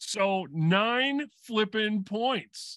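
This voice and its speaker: A man with an American accent uses a raised, projected voice at a high pitch, bright and sharp in tone, speaking very slowly in a dry sound with no echo against a quiet background. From Green Bay, Wisconsin; Wisconsin. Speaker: podcast co-host. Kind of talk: casual chat. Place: home room. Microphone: earbuds.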